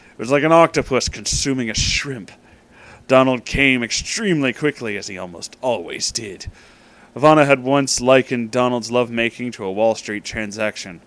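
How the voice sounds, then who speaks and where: A man reads a comic story aloud in a dramatic storytelling manner, with deliberate pauses and amused asides. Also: medium pitch, fairly bright tone.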